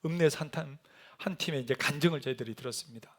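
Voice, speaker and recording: A middle-aged male pastor tells a mission story during a sermon, racing along in a fairly high voice. His storytelling is animated, and he acts out quotes by shouting them.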